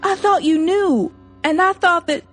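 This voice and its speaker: A woman's voice: extremely high pitch, measured pace, a bit bright, faint music behind, pitched above the performer's own voice. A woman reader voicing a young woman who pleads and falters, stammering near tears. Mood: tremulous.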